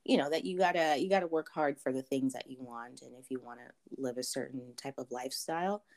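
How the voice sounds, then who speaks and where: A young adult woman from Zambia, answering interview questions thoughtfully with many pauses and ums. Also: extremely low pitch, darkish tone. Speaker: interview guest.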